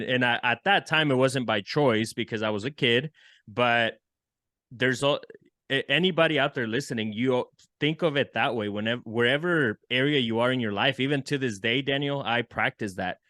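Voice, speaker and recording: A man from El Salvador, a musician and entrepreneur, telling his story in a relaxed, friendly way as a podcast guest. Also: fairly low pitch, no room sound, studio quality. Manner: relaxed, friendly, with frequent fillers. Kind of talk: casual interview storytelling.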